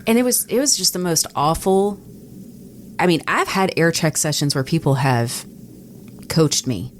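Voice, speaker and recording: A woman's voice: low-pitched, unhurried, slight background noise. A woman who works in radio, chatting casually and acting out remembered exchanges as a podcast co-host. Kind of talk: casual conversational storytelling.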